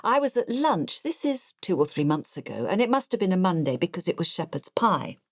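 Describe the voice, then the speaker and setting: Audiobook narrator: elderly English ex-nurse, artless and confiding, low register, lively inflection, dry close sound. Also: female voice, brisk, dry recording. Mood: confiding, chatty. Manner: confiding, digressive, matter-of-fact. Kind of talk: audiobook first-person narration.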